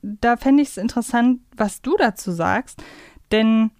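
A woman's voice: on the high side, a little slow, darkish tone, no room sound, clean studio sound. A woman talking casually and reflectively as a podcast co-host. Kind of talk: casual podcast discussion of an audio drama series.

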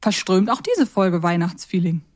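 A woman's voice: on the low side, lively intonation, normal speed, a little mellow. A woman co-hosting a podcast, chatting casually. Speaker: podcast co-host. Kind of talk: casual chat about audio drama episodes.

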